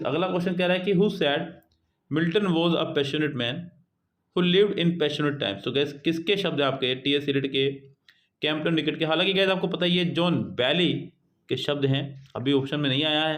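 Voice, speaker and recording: A man teaching an exam prep lesson. He reads each English question out slowly, then explains it in Hindi, addressing his students as guys and children. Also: fairly high pitch, a bit bright.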